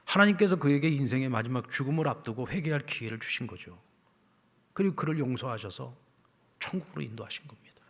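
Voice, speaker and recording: A man preaching a sermon as pastor, telling a story and swinging between hushed whispers and loud, emphatic lines. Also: medium pitch, animated, fast, creaky. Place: church sanctuary. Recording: long church reverb.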